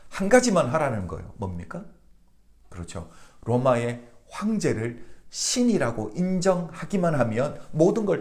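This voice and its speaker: A male pastor from Korea delivers a daily devotional sermon in a voice of middling pitch that rises and falls with real liveliness. He keeps putting questions to the congregation and then answering them himself. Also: a little mellow.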